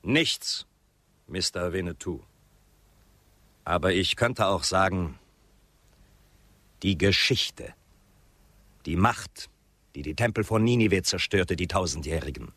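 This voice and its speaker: An actor playing an arrogant white railway chief in a radio drama, with a sardonic, rhetorical, theatrical way of talking. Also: male voice, low voice, animated, takes it slowly, long pauses, a bit bright, dry recording, full character voice. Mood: grandiose.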